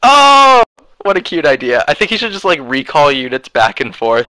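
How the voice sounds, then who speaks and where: A man's voice: on the high side, sing-song, moderate pace, pushed and bright, no echo, rough recording. A young man giving casual, rambling game commentary with lots of fillers and hedges, on a headset mic. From United States. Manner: rambling, hedging, many fillers. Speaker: esports commentator.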